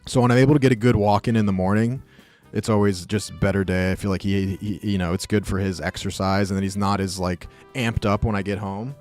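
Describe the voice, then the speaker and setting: A man's voice: on the low side, steady tone, brisk, darkish tone, faint music behind. Joking, rambling male streamer. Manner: joking, rambling, reacting to chat. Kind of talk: casual live-stream chat.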